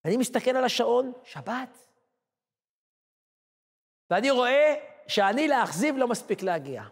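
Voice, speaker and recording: A man's voice: very high voice, lively intonation. A man, a rabbi, telling a story in a sermon with short, punchy phrases. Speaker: rabbi and lecturer. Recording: long hall reverb.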